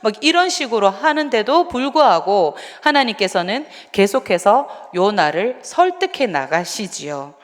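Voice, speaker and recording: A woman evangelist preaches in a conversational, lively manner and often puts questions to the congregation. Her voice sits in a natural middle pitch, and a long reverb trails it through the church sanctuary. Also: a little slow, hardly any pauses. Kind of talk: sermon.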